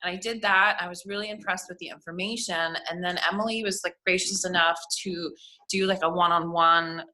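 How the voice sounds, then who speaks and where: Chatty woman panelist, bright voice, video call. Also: lowish voice, fairly even intonation, brisk, poor audio. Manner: chatty, enthusiastic, many fillers. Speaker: panelist, program graduate. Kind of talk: casual chat on a video call.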